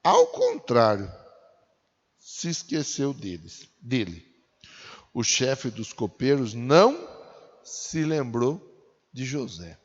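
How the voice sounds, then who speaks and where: A man's voice: medium pitch, huge pitch swings, takes it slowly, pauses often, slightly rough. A Brazilian man in his forties preaching a sermon in a conversational way, asking his listeners rhetorical questions. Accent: Brazilian Portuguese. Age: 40s. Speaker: pastor. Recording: dull, echoey hall.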